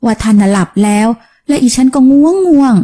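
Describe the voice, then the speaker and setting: A woman's voice: high-pitched, a little fast, mellow, natural voice. A woman voicing an older, devoted household maid who speaks politely and coaxingly to the family, in an audiobook. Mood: explaining. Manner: polite, coaxing, servant's deference.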